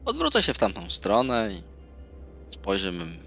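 A man plays a tabletop roleplaying game on a slightly lo-fi mic. His very low voice is gravelly and moves around a lot. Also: huge pitch swings, normal speed, a bit bright, soft background music. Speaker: player.

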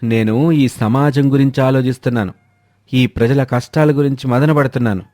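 A man's voice: medium pitch, normal speed, warm tone, no echo, close to an everyday voice. A man playing a scheming idler husband who poses as a holy swami in a moral story, talking in a grandiose, persuasive, preachy way. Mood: scheming, boastful. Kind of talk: acted Telugu moral story dialogue. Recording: music behind a dry voice.

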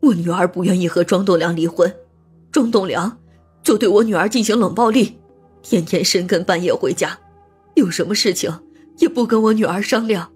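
A woman playing a bitter, domineering older mother in an audiobook drama, scornful and ranting in a husky voice. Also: mid-range voice, moderate pace, darkish tone, faint music behind. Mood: bitter, accusing. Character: bitter, domineering, sharp-tongued older mother of a murdered daughter.

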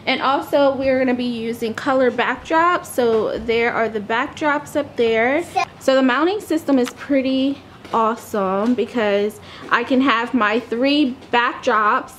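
A woman's voice: a little high, a little slow, fairly bright tone, a little hiss or hum. A young woman and mother chatting casually in a home vlog, rambling with lots of ums. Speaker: vlogger, mother. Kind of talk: casual family vlog chat. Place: home living room.

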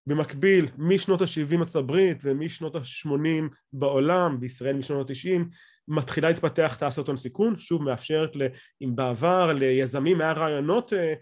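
A man's voice: on the high side, a little mellow. A middle-aged man with an Israeli accent explains things in an off-the-cuff lecture on a video call, often restarting his phrases. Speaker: academic lecturer. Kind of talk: explanatory lecture over slides, speaking off the cuff.

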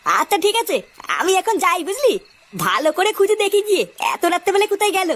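A woman's voice: extremely high pitch, very animated, fast talker, a bit bright, heavily acted. A woman voicing a worried, impatient village father, agitated and questioning, in a comedy cartoon. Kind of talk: amateur comedy cartoon dialogue.

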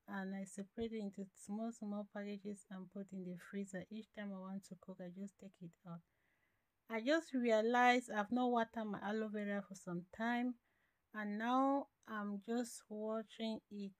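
A woman's voice: medium pitch, dry recording. A woman in her thirties narrating a home vlog in a casual, simple explanatory way, repeating words for emphasis. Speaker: home vlogger. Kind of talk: casual cook-and-clean voice-over narration.

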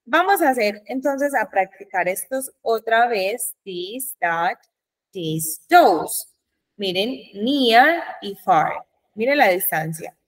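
A woman's voice: medium pitch, recorded from a distance, poor audio. A woman with a Colombian Spanish accent, teaching an English grammar lesson to a class and checking in with the students often. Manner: slow, drawn-out model sentences, frequent "¿Listo?" checks.

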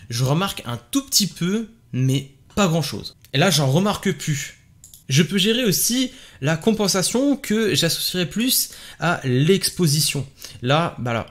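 A man giving a casual, enthusiastic product review from his home desk, chatting with lots of little fillers. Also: fairly high pitch. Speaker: tech reviewer. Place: home desk setup with LED lights behind him.

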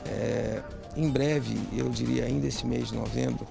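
A man with a Brazilian accent giving an official interview answer, flat and formal, with hesitant fillers. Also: mid-range voice, unhurried, creaky. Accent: Brazilian Portuguese. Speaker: security official. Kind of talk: interview soundbite. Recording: TV interview clip with music bed.

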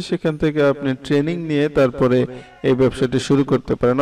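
A man's voice: fairly high pitch, darkish tone, recorded from a distance. A young man from Bangladesh with a Bangladeshi accent, hosting an explainer video and addressing the viewer directly. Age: young adult. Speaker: video host. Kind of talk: explainer narration of business ideas.

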